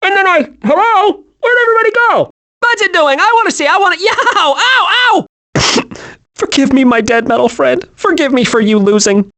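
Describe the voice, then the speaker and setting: An actor playing a hyperactive, childlike young squirrel in an animated video game, excitable and naive. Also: male voice, very high voice, moderate pace, full character voice. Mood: giddy, excitable. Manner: excitable, naive, wide-eyed.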